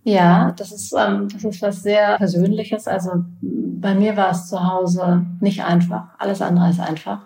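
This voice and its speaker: A woman's voice: mid-range voice, little pitch movement, unhurried, creaky, hardly any pauses, mellow, echoey room, poor audio. A woman in her forties from Berlin, an interview guest and author, telling personal memories thoughtfully and often restarting her sentences. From West Berlin, Germany. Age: 40s. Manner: thoughtful, searching for words, frequent restarts. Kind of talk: reflective personal storytelling.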